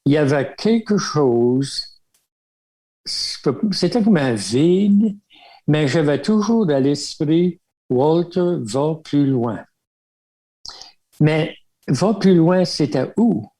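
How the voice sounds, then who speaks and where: Recorded roughly, this guest is a religious brother from Baie Sainte-Marie, Nova Scotia, speaking with the local Acadian French accent. His voice is gravelly yet mellow and on the high side, and he looks back easygoingly in a casual storytelling interview, breaking up his sentences with fillers and soft laughs.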